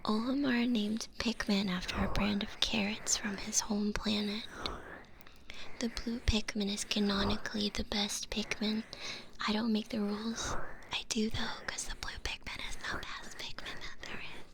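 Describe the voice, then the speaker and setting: A young woman whispering softly and playfully as an ASMR livestream host, close to the microphone, with frequent giggles. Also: mid-range voice, flat delivery, normal speed, creaky, poor audio. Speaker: ASMR streamer.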